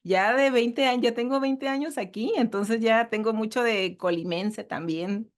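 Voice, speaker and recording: Appearing as a church guest, a woman from northern Mexico with a Mexican Spanish accent shares an earnest personal testimony in a casual interview. She often repeats herself and uses fillers, speaking at an unhurried pace in a voice on the high side.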